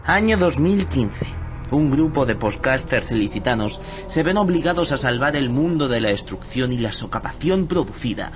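A man's voice: mid-range voice, lively intonation, moderate pace, noisy background. A man reading a jokey podcast promo in a playful, mock-dramatic way. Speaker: promo announcer.

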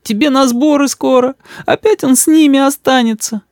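A man voicing an anxious, tearful young mother who talks in a pleading, soft-hearted way. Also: high voice, sing-song, moderate pace, no echo, clean studio sound, voice pushed up.

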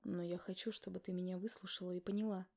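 A woman's voice: lowish voice, flat delivery, quick pace, vocal fry, a little mellow. Give me a woman voicing a guilty, pleading husband. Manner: pleading, insistent. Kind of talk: audiobook character voice.

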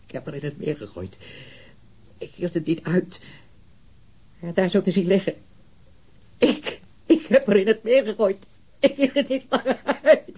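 A man's voice: sits high, measured pace, pauses often, darkish tone, husky. An actor playing a disturbed, self-righteous male murder suspect, agitated, accusing and repeating himself in a crime drama. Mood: distraught, breaking down. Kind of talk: dramatic film-style crime acting.

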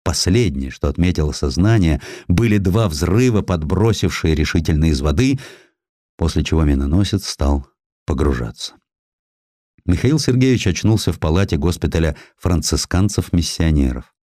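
Deep, mellow male narrator, dry studio sound. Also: expressive, normal speed, no echo. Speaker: audiobook narrator. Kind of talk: dramatic scripted narration of historical prose. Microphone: close studio microphone.

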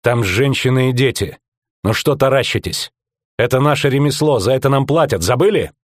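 A man's voice: medium pitch, expressive, moderate pace, no room sound, studio quality, voice pushed up, close to an everyday voice. A male audiobook narrator voicing a fierce, blunt woman mercenary captain who gives orders. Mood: rousing. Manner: commanding, blunt.

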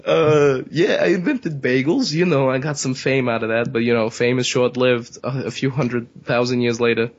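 A man's voice: mid-range voice, moderate pace, hardly any pauses, muffled recording, close to an everyday voice. A young man playing a brash, pushy older Jewish man from New York with a New York accent. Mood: pushy, indignant.

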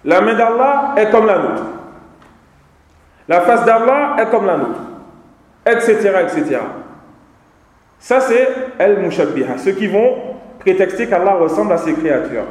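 A man's voice: high-pitched, very animated, unhurried, pauses often. A man teaching an Islamic seminar, speaking emphatically and repeating key phrases for his students. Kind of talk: seminar lecture. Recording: echoey hall.

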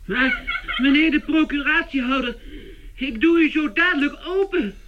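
A travelling salesman who has become a beetle. His voice sits extremely high and sounds muffled and lo-fi. He is anxious and placating, offering polite, evasive excuses in radio play style. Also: very animated, moderate pace, very noisy, full character voice. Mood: anxious pleading. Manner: pleading, excuse-making, polite. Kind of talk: radio drama acting.

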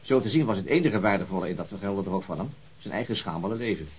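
An actor playing a methodical, weary police detective in a radio drama, speaking in a dry, deliberate, sometimes hesitant way. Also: male voice, fairly low pitch, expressive, a little hiss or hum, close to an everyday voice. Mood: dry, thoughtful. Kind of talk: naturalistic radio drama dialogue.

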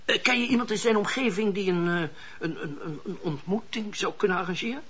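An actor playing a cynical, bossy political schemer in a radio drama, speaking emphatically and with sardonic bite. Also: male voice, high voice, brisk, fairly bright tone, breathy edge. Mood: calculating. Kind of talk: Dutch radio drama acting. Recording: dull lo-fi radio recording.

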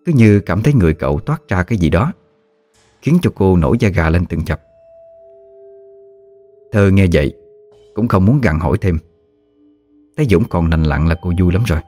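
A man narrating a ghost story in a measured, hushed way. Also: low-pitched.

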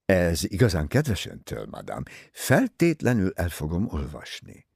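Man reads a polite, courtly older detective in an audiobook: deep, slightly gravelly, formal. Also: wildly swooping pitch, a little mellow, dry recording, clean studio sound, full character voice. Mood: courteous.

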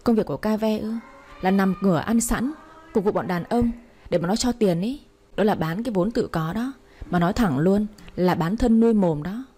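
A woman's voice: mid-range voice, moderate pace, mellow, slightly rough, close to an everyday voice. A woman voicing a spiteful stepmother who taunts and mocks her stepdaughter, in a storybook reading. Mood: sneering. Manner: sneering, taunting.

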